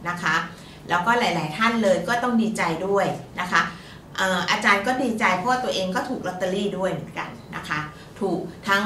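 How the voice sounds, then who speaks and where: A woman's voice: medium pitch, pushed and bright. A woman co-hosting a fortune-telling show, chatting politely and giving lottery tips. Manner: polite, chatty, frequent particles. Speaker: fortune teller co-host. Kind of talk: casual lottery-tip talk. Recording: roomy, distant mic, faint noise.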